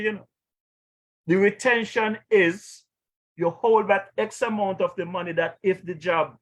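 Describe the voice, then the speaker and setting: Outspoken male talk host with a Caribbean accent and a slightly high voice, delivering indignant political commentary. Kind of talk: political commentary on a live stream.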